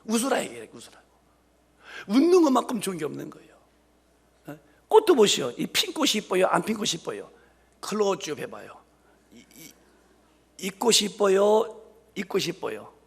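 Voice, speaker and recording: A pastor in his late fifties preaches with a high, lively voice that leaps up and down as he jokes with his congregation. His tone is husky and gravelly, full of rhetorical questions and playful asides. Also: brisk, pauses often. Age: 50s. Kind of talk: humorous sermon. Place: church sanctuary.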